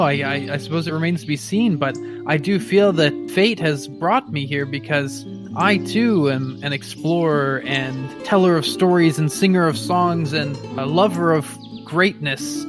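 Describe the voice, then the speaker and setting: A man's voice: on the high side, natural voice. A man playing a confident, cheerful ranger in a tabletop role-playing game, with flowery, earnest phrasing. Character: confident, cheerful male ranger, eager storytelling adventurer.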